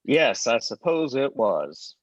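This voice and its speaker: On dull, lo-fi audio, a male voice plays a glum, polite high school boy , read by a man. He speaks slowly, with a lot of movement in pitch. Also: big pitch swings. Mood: subdued. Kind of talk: virtual table read of a screenplay. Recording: dull, lo-fi online call audio.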